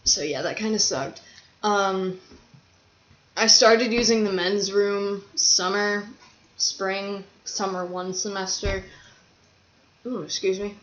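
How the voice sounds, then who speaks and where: A young trans man talks at a slow, unhurried pace, rambling casually and laughing easily. The room around him rings a little, and the sound is slightly muffled. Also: high voice, fairly even intonation, a bit bright. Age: young adult. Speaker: vlogger. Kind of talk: casual chat. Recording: roomy, slightly dull sound.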